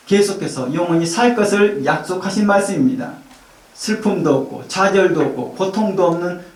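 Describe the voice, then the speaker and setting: A male pastor giving an earnest sermon, reading scripture slowly and pleading warmly in the Lord's voice. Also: high voice. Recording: echoey church from far off.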